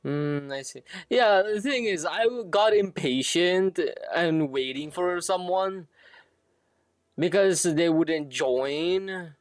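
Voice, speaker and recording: A man live streams a game and chats informally with his viewers. His voice sits a bit high, and he talks slowly and hesitantly, sounding close and dry on the microphone. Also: no echo. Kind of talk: casual live-stream chat while gaming.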